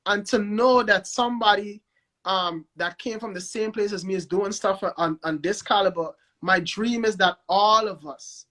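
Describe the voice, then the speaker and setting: A man with a Guyanese accent speaks with a high, bright voice. He talks in an animated way, doubling back on words as he builds up to each point, in a relaxed interview chat. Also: moderate pace. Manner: animated, repeats himself, enthusiastic. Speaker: guest, record label founder. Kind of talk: casual interview over a live stream.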